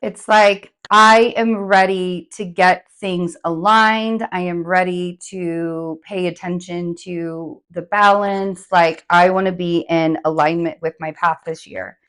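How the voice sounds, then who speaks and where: Slow hoarse woman reading tarot. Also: on the low side, steady tone, fairly bright tone. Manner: chatty, rambling with many fillers. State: hoarse from recovering laryngitis. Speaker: tarot reader. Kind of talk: casual tarot forecast.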